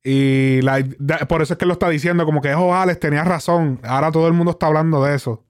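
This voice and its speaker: A male interviewer with a Caribbean Spanish accent chats in easy Spanglish, sliding between Spanish and English. His voice is fairly high and clean, with a smooth, resonant tone. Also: steady tone, fast talker. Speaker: interviewer and show host. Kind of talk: casual conversational interview.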